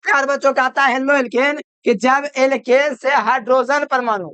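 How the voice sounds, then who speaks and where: A man's voice: very high-pitched, steady tone, normal speed, pushed and bright, clean tone, dry recording. A man teaching chemistry in a lecture, often calling students dear children and answering his own questions. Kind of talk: classroom lecture.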